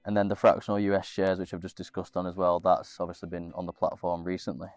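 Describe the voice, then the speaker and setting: A man's voice: low voice, little pitch movement, fast talker, darkish tone, clear, resonant tone, no room sound, studio quality, faint music behind. A young man with a slightly nasal voice from a cold, casually walking viewers through an app on screen with many fillers and restarts. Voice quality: a bit nasal. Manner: rambling, lots of fillers and restarts. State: congested with a cold. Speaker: investing channel host. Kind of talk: casual screen-share walkthrough.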